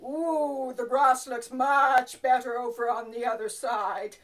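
A woman voicing a big, confident male billy goat in a puppet show, firm and drawn-out, with bleats. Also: fairly high pitch, steady tone, far from the mic. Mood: musing, bold.

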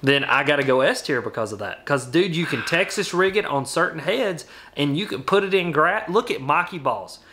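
Emphatic young man, bright forceful tone. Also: fairly high pitch, normal speed, hardly any pauses, a little hiss or hum. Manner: animated, emphatic, argues his case. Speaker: guest angler. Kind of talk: casual debate over a video call. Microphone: webcam on a video call.

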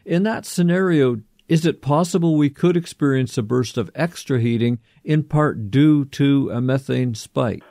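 A man's voice: medium pitch, mellow, dry recording. Man hosting a radio show, dry studio sound. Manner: measured, curious questioning. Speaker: radio host. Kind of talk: radio interview.

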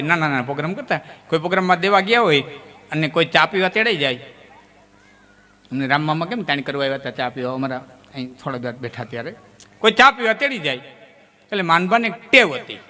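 A man telling comic folk stories on stage, with lively, sudden jumps in pitch. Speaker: folk storyteller. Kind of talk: folk comedy storytelling on stage. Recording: long hall reverb.

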